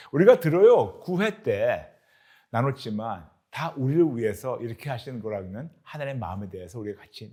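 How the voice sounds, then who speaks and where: A man preaching a sermon as a pastor, speaking in an earnest, measured way and reading scripture aloud. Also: mid-range voice, a little mellow.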